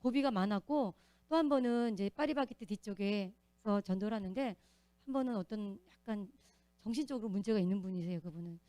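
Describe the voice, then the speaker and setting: A woman giving an earnest, animated testimony as a church deacon, telling her story in a church. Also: mid-range voice, brisk, no echo.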